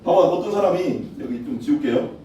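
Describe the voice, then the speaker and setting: A man's voice: a little high, lively intonation, fast talker, dark tone, recorded from a distance, a little hiss or hum. Preaching man in an echoey hall. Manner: conversational preaching, asks the congregation questions. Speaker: pastor. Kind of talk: sermon. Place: church hall.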